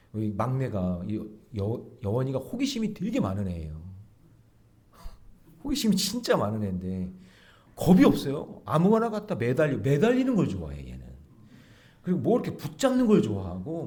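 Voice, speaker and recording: Animated male preacher, lively pitch. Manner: animated preaching, acts out quoted voices, asks the congregation questions. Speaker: pastor. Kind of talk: early morning prayer sermon. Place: church sanctuary.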